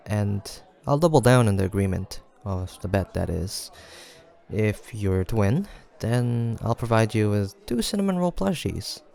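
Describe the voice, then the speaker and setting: A man acting a playful, creaky-voiced teasing guy friend. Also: fairly low pitch, a little mellow. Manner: playful teasing, frequent chuckles, casual banter. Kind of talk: improvised audio roleplay addressed to the listener.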